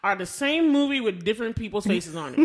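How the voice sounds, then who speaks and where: A woman with a mid-pitched voice co-hosts a casual review podcast. She talks in an animated, expressive way, tossing in conversational asides as if chatting with a friend. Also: brisk. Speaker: podcast co-host reviewing films.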